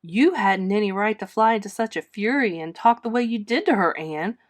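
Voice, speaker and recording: A woman's voice: medium pitch, normal speed, close to an everyday voice. This is an elderly spinster guardian voiced by a woman from a storybook. She is stern and dry. She scolds firmly, in clipped phrases that allow no argument. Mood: stern scolding.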